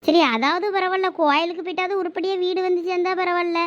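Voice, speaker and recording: A woman plays a college girl with a Thoothukudi Tamil accent in a cartoon. Her voice is very high and squeaky, and she frets and scolds her friend nonstop. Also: fairly even intonation, fast, dull audio. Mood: worried. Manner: fretful, scolding, exclaiming. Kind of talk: cartoon voice acting.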